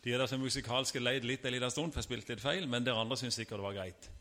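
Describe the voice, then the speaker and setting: A man in his fifties preaches in a conversational, personal way, often stopping to restart his sentences. His voice is mid-pitched, and a long reverb from the church hall trails behind his words. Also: steady tone, bright, forceful tone. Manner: casual and personal, with frequent fillers and restarts. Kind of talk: sermon.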